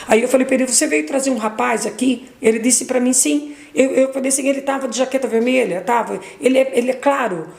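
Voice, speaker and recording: Middle-aged woman, testimony guest, slightly high voice with heavy fry, roomy recording. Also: fast, few pauses, a little mellow. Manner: retells dialogue with repeated 'aí eu peguei e falei', restarts and fillers. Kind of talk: emotional personal testimony.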